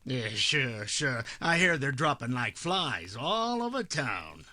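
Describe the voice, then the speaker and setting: A man's voice: medium pitch, big pitch swings, slow, sharp tone, full character voice. An actor playing a shifty, mock-innocent man in an old-time radio noir drama, flippant and protesting.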